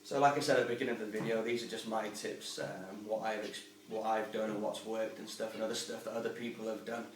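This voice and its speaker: A man gives an informal, rambling how-to talk in an even, level voice. He sounds some distance from the camera mic, with roomy echo and faint ambience behind him. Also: lowish voice, fast talker, few pauses, noisy background. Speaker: aquarium hobbyist and channel host. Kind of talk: casual how-to explanation.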